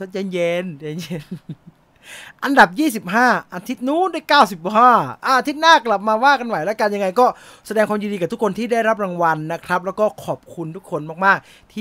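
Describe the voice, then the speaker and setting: A man's voice: high voice, bright, forceful tone, no echo. A man hosting a live movie quiz stream, announcing winners and teasing viewers in casual chat. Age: adult. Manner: playful, teasing, joking asides with laughter.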